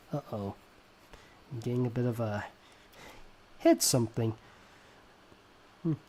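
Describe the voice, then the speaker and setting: Long, frequent pauses interrupt talk that otherwise moves at a moderate pace. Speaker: livestreamer. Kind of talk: casual livestream chat. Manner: hesitant, many fillers.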